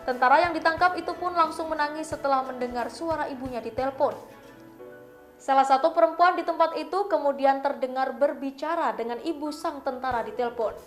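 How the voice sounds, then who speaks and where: A woman with an Indonesian accent narrating a scripted news voice-over. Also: high voice. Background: faint background music.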